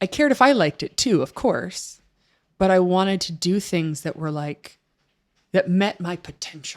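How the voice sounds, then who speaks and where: Here a woman with an ordinary speaking voice talks at a moderate pace and medium pitch, on a very clean recording with a silent background. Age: 40s. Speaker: business school lecturer and author. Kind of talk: interview.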